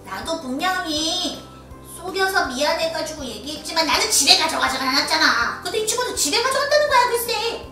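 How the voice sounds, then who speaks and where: A woman's voice: very high-pitched, fairly quick. A woman voicing a cheerful child character who tells a story to young viewers. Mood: indignant. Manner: chatty storytelling, bright and animated. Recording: echoey room, from a distance, soft music.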